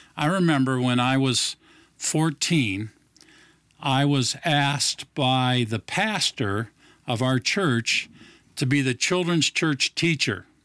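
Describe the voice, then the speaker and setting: With a bright, sharp tone and a medium pitch, a man talks at a very slow pace and very even loudness on a very clean recording with a silent background. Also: ordinary pitch variation. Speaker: pastor. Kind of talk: casual faith discussion.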